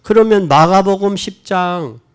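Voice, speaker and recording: A man's voice: high-pitched, measured pace, clear, resonant tone. A man preaching a sermon, asking the congregation questions and answering them himself, raising his voice when quoting scripture. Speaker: pastor.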